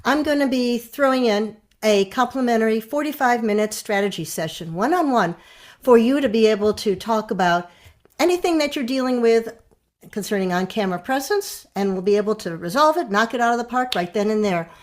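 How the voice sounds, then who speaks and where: A woman coaching on-camera presence, hosting a live online masterclass and pitching offers in an upbeat way. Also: expressive, a little fast.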